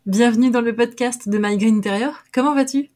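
A woman's voice: a little high, brisk, mellow. A woman in her thirties hosting an interview podcast, upbeat and friendly as she introduces and questions her guest. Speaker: podcast host, interior designer. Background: faint music under intro.

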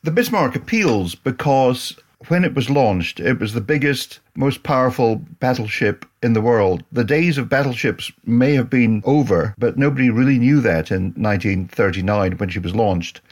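Measured male historian explaining. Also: mid-range voice, expressive. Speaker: historian guest. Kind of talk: explanatory interview answers.

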